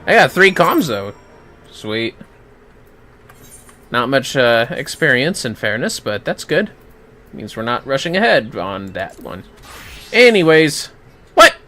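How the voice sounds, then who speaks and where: A man's voice: medium pitch, very animated, slow pace, long pauses, bright, forceful tone, faint music behind. A man chatting casually and bluntly, with swearing, while he plays a game on a livestream. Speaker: livestream gamer. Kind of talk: casual chat while playing an online game.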